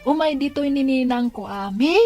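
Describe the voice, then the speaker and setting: A woman's voice: high voice, normal speed, darkish tone, soft background music. A woman playing a curious young child in an Ilocano audio drama.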